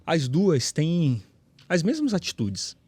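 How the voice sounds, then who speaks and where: Brazilian pastor telling a story on a podcast. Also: male voice, a little high, huge pitch swings, slow, darkish tone, husky, dry recording. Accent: Brazilian Portuguese. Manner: storytelling, acts out quoted voices, rises in emphasis. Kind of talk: podcast conversation, preaching.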